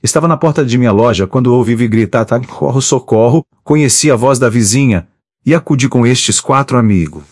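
A man's voice: mid-range voice, lively intonation, fairly quick, darkish tone, dry recording, studio quality, lightly acted. A man reading the part of a bold male neighbor who runs a shop, in a stage play. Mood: determined.

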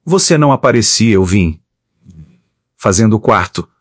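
A man's voice: on the low side, expressive, moderate pace, dry recording, studio quality. A man voicing a proud, scornful male street fighter in an audiobook. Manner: scornful, boastful.

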